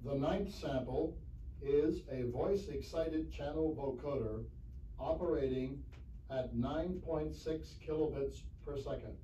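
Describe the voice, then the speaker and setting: Male technical narrator, measured and formal, slightly high pitch, old flexi-disc with faint hiss. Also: warm tone. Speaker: narrator of a demonstration recording. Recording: roomy, distant, faintly hissy 1970s flexi-disc recording.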